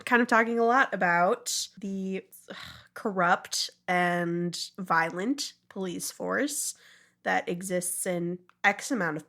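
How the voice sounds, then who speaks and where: An American woman with a bright, forceful voice chats as a podcast host. She takes her time over her words and is blunt, sardonic and quick to swear. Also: mid-range voice. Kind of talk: casual podcast chat.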